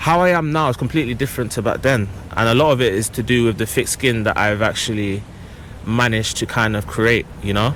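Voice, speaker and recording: This man has a London accent and a medium pitch. He talks at a very fast pace with ordinary pitch variation. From London, Hampstead. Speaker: musician and football fan content creator. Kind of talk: interview.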